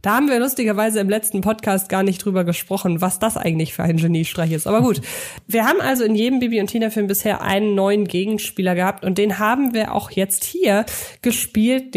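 A woman's voice: mid-range voice, fairly quick, a little mellow. A woman co-hosting a podcast, discussing films casually in an explanatory, conversational manner. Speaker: podcast co-host reviewing films.

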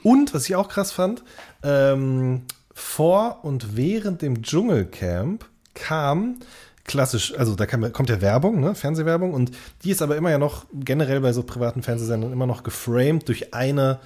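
A man's voice: medium pitch, animated, normal speed, a little mellow. A man chatting casually as a podcast co-host, thinking aloud and drifting into digressions.

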